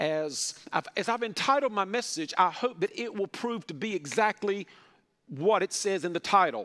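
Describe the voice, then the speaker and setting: Against a quiet background, a man can be heard talking. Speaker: pastor. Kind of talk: sermon. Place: church.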